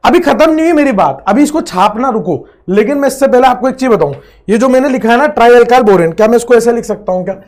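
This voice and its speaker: High-voiced man teaching chemistry. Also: animated, quick pace, darkish tone. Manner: repeats phrases, drills students, calls them friend. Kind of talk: classroom lecture at a board.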